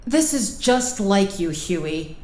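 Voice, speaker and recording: A woman's voice: lively intonation, takes it slowly, darkish tone. An actress with an American accent playing a fierce, wounded young woman with a sarcastic, emphatic way of talking in an audio drama. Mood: bitter, accusing. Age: young adult. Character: fierce, wounded young woman lawyer scolding old friend. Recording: roomy sound with faint rumble.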